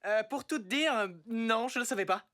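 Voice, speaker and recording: A woman's voice: on the high side, a little fast, lightly acted. A woman voicing a cocky, thrill-seeking young superhero in a cartoon dub, brash and playful. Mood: cocky, teasing. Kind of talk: animated cartoon dub acting. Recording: loud music underneath.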